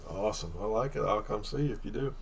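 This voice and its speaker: A man's voice: fairly low pitch, quick pace, recorded from a distance, a little hiss or hum. A man hosting a trading livestream, chatting casually and encouraging his guests with frequent laughs. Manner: easygoing, laughs often, encouraging. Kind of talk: casual live-stream chat.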